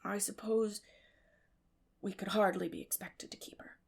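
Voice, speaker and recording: A woman voicing a shy, gentle old bachelor farmer in an audiobook, halting and soft-spoken, with a breathy, hushed voice. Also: mid-range voice, level tone. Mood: uncomfortable.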